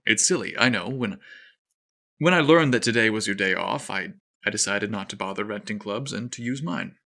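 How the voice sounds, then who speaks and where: A man's voice: fairly low pitch, expressive, moderate pace, creaky, bright, forceful tone, heavily acted. A man voicing a shy, awkward young gay golfer in a story, timid and hesitant. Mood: timid, confessing.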